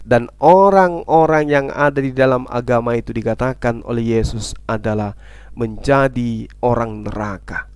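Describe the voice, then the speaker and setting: A man preaches in an interfaith debate as an Islamic speaker, citing scripture and firing off repetitive rhetorical questions he then answers himself. His delivery is forceful and insistent, in a smooth mid-range voice at normal speed on a dry recording.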